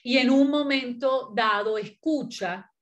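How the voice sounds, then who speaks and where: Her voice sits high as this middle-aged poet and critic, born in Venezuela with Italian as her first language, offers thoughtful remarks on an academic panel. She pauses a lot, relies on fillers and frequently restarts.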